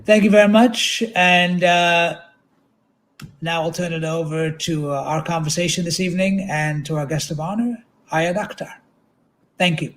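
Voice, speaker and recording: A man with a noticeably high voice reads literary prose aloud. His delivery is measured and dramatic, in the manner of an author event reading. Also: fairly bright tone. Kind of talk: literary narration read aloud.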